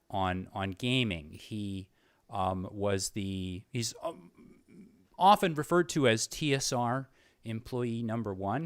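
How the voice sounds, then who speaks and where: A man hosts an interview show in an unscripted, conversational style, halting and repeating words while sounding earnest and effusive. His voice is on the low side, a bit bright and smooth, captured in clean studio sound with no echo.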